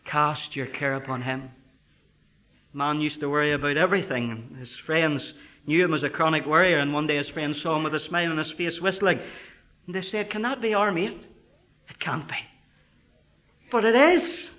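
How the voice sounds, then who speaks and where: A man preaching a sermon, building to loud emphatic peaks and then dropping to a soft, quiet voice. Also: fairly high pitch, fairly even intonation, fairly quick.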